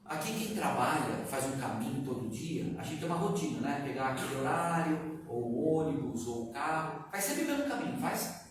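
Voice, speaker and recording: Animated Brazilian man lecturing a crowd. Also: a little high, normal speed. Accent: Brazilian Portuguese. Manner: animated, asks the audience questions, chuckles often. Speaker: spiritist lecturer and medium. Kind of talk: lively lecture to a live audience. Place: lecture hall with an audience. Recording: echoey room, far from the mic, background noise.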